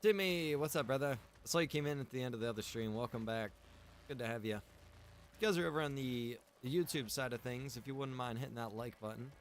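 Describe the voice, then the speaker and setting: A man's voice: medium pitch, brisk, slight background noise. A man chatting casually and thinking aloud as he hosts a gaming livestream. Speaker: livestream host, gamer.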